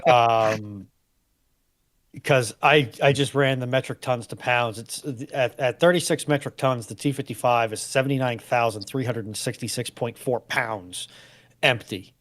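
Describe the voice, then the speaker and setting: Guy talking through technical stuff casually, medium pitch, explains with folksy sayings. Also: a little slow, fairly bright tone. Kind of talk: informal military history discussion.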